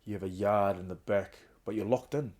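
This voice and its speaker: A middle-aged podcast guest who founded a reintegration trust candidly tells his own story, earnest and open about hard times. His voice is fairly low and a little mellow, and he talks briskly.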